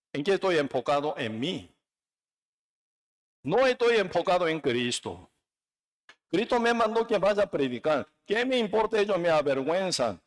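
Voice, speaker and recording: A man from Korea preaching a sermon with a Korean accent, non-native and halting in his phrasing, emphatic, with frequent tag questions. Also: a little high. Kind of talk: sermon with personal testimony.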